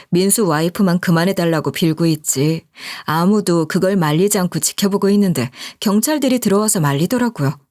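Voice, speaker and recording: A woman's voice: fairly low pitch, a little mellow, dry recording, clean studio sound. A woman narrating a story radio tale expressively in the first person.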